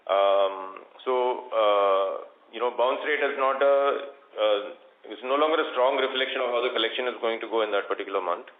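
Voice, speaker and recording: An Indian-accented man speaks as a company executive on an earnings call. His phrasing is halting and hesitant, at a middle pitch. The line is muffled and echoes like a room.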